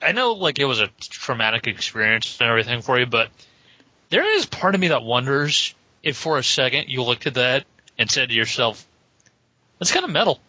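A male podcast co-host making deadpan jokes in a casual chat. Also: mid-range voice, brisk, no echo, highs cut off.

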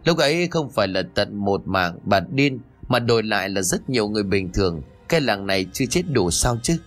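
Brief: impatient young son in an audio ghost story, curt and irritated, in a low voice, read by a male narrator, soft music behind. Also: lively intonation, brisk. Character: angry, impatient young man, a mother's son.

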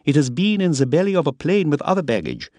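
A man doing a fussy, impatient older foreign gentleman. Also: sits high, wildly swooping pitch, normal speed, no echo, studio quality, voice pushed up, heavily acted. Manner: impatient, prim and precise.

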